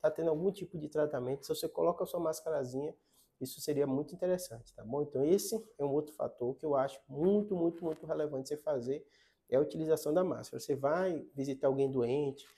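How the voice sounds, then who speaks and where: Fast-talking Brazilian doctor with a mellow voice. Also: male voice, on the high side. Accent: Brazilian Portuguese. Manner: conversational, frequent tag questions, repeats points. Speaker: neurosurgeon giving health advice. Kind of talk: casual explanatory talk to camera.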